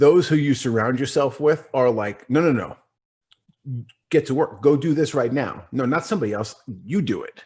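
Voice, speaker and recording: A man with a fairly high voice speaks in an American accent. His delivery is somewhat breathy, with ordinary pitch variation and long, frequent pauses. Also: moderate pace. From Eastern Long Island, New York. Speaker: business coach and speaker. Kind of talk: interview answer. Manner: calm, never raises his voice.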